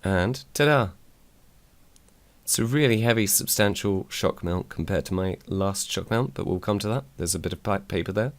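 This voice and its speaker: A man, reviewing a microphone in a casual, dry, self-deprecating way. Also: normal speed. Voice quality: low voice. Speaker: tech reviewer. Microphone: desk microphone on a mic arm.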